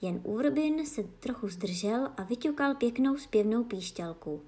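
A woman reads a fairy tale aloud as a bedtime story. Her voice is fairly high, gentle and expressive, made for lulling children to sleep.

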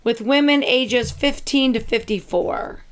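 A woman with a raspy voice hosting a casual podcast chat, reading out news headlines between remarks. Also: a little high, measured pace. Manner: reads headlines aloud, chatty with fillers. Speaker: podcast host.

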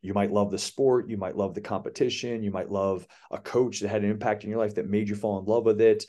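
Low-voiced man explaining confidently. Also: steady tone, brisk, mellow. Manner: confident, explanatory, speaks in flowing points. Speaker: guest, athletic director. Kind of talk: casual interview answer.

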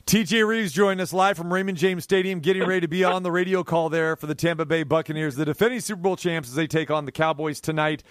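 A high-voiced man hosting a casual sports radio show. He wanders through his questions with lots of fillers and restarts. His sound is close and dry. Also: steady tone, fast talker, few pauses, smooth, dry recording.

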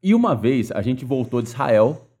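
A man's voice: mid-range voice, big pitch swings, moderate pace, a little mellow. A man telling a funny story in a casual chat, breaking into laughter as he goes. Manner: breaks into long laughing fits while telling stories.

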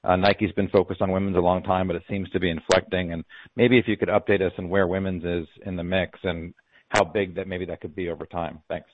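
A man's voice: deep voice, level tone, fairly quick. A male financial analyst putting questions to management on an earnings call. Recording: hissy, narrow phone line.

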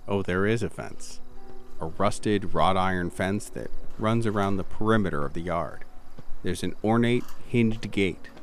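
A man narrating an atmospheric horror roleplay as game master, in a deliberate, theatrical, descriptive manner. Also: low voice, slight background noise.

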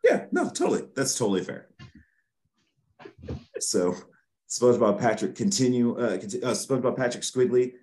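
A man's voice: medium pitch, sing-song, normal speed, pauses often, a little mellow. A man hosting a podcast, recapping a cartoon episode in rambling casual chat with frequent restarts. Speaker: podcast host.

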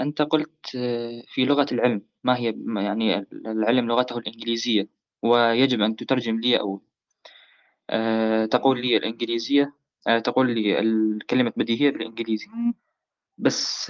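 A man speaking on a breaking-up call connection, halting, with many pauses and fillers. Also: medium pitch. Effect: breaking-up online call connection. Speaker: debate participant calling in. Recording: muffled call audio with loud noise.

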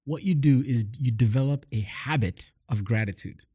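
A man hosting a casual chat, explaining mindset habits in an upbeat, quick way. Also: mid-range voice, dark tone, husky. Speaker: host and mindset coach.

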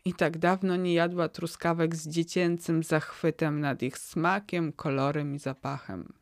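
A woman podcast host narrating a fairy tale in a calm, gentle way. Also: sits low, a little slow, no echo, studio quality.

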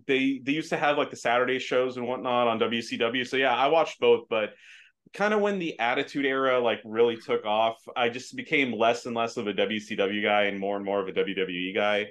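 A man's voice: mid-range voice, steady tone, fairly quick, a bit bright. A man with an American accent, a podcast guest talking casually with many fillers and restarts over a video call. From Afghanistan. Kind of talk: casual chat.

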